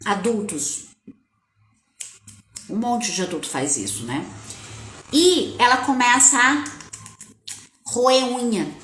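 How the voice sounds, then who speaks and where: A woman parenting coach giving a casual live-stream talk, speaking straight to her viewers in a lively, conversational way. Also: fairly high pitch, slow pace, pauses often, a little hiss or hum. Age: adult with a child. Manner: animated, conversational, addresses viewers directly. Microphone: webcam or phone on a live stream. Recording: echoey room.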